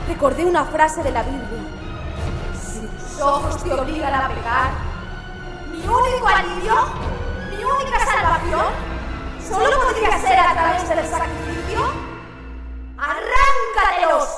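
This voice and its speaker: A woman's voice: extremely high pitch, animated, unhurried, long pauses. A woman narrating a first-person horror story in a theatrical, intense, dramatic manner. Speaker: audiobook narrator. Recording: echoey long reverb, music behind. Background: music.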